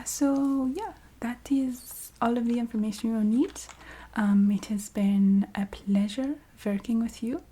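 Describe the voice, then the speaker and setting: A woman voicing a polite, businesslike vampire recruiter in an ASMR roleplay, speaking in a soft half-whisper with a put-on foreign accent and halting, apologetic formality. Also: a little high, slightly rough. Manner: halting, formal, polite filler-laden explaining.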